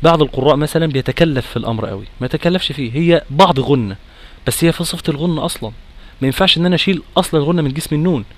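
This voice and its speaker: Nasal Egyptian teacher with a cold. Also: male voice, fairly high pitch, rapid-fire. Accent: Egyptian Arabic. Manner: lively, questions the class, chants recitation examples. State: congested with a cold. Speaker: Quran recitation teacher. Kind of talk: tajweed lesson to a class.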